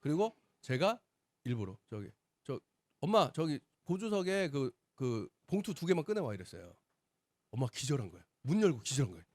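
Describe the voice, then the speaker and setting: A man giving a sales seminar talk, telling his family story in an animated way and acting out the voices of the people in it. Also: medium pitch, moderate pace. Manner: animated storyteller, acts out quoted dialogue. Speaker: business presenter.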